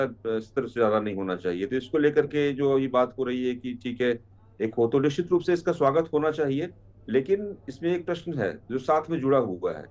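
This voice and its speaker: A man commenting as a debate guest in formal, halting, carefully qualified phrases. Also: mid-range voice, darkish tone, lo-fi sound. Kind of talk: measured political analysis in a TV debate.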